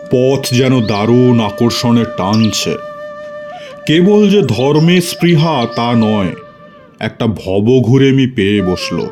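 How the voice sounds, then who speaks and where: Guy reading out a story, medium pitch, dramatic storytelling narration. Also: warm tone.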